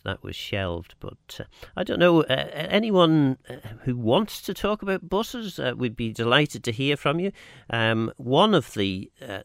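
A man's voice: medium pitch, vocal fry, fairly bright tone, no room sound, clean studio sound. A man with a Manx accent hosts a radio phone-in, chatting casually and reading out listeners' texts in a hesitant, rambling way.

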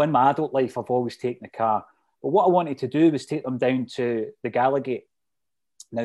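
A middle-aged man from Fife, Scotland, speaks with a Fife Scottish accent in a mellow, softly rounded voice of ordinary male pitch. As an interview guest and lifelong football supporter, he reminisces casually, sharing detailed anecdotes.

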